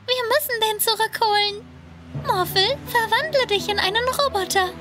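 A woman's voice: very high voice, normal speed. A woman voicing a cheerful, earnest little girl in a German children's cartoon dub. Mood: determined.

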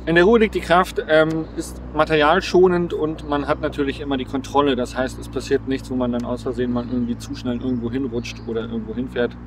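A man in his thirties casually presenting tips to viewers, upbeat and talking with his hands, recorded outdoors on a gravel lot. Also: mid-range voice, level tone, fast, hardly any pauses, background noise. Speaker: vlogger presenting driving tips. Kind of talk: casual explanatory vlog talk. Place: outdoors on a gravel lot beside a camper van.

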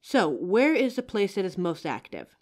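A young adult woman voices an earnest, confident, helpful young psychic in a scripted audio roleplay, speaking directly to the listener in a polite, assured way. She has a medium-pitched, sing-song, slightly mellow voice, lightly acted at normal speed.

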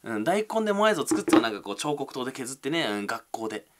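A man's voice: medium pitch, sing-song, fast, background noise. A young man, reading viewer comments aloud on a casual livestream and answering them with self-deprecating, mumbled asides.

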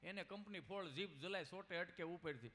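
A man's voice: high-pitched, moderate pace, fairly bright tone. A man doing chatty, teasing stage humor storytelling at a live show, talking straight to the crowd. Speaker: stage comedian.

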